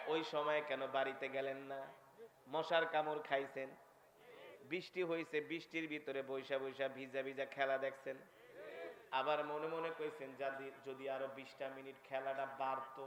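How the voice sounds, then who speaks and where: A man talks in a monotone with flat intonation. His pitch sits fairly high. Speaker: Islamic preacher. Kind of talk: sermon to a live gathering. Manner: emotional, storytelling.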